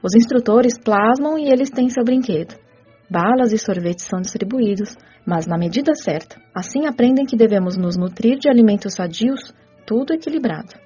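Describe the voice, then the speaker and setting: An actress playing a kind, patient spirit caretaker who explains rules in a measured, teacherly radio drama delivery. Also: female voice, on the high side, lively intonation, dark tone, breathy edge. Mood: patient, instructive. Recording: muffled audio with music underneath.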